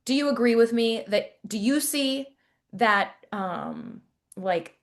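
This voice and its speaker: A woman hosting a casual podcast interview, reacting quickly and eagerly to what her guest says. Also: a little high. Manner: excitable, quick to react with surprise. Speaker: podcast host.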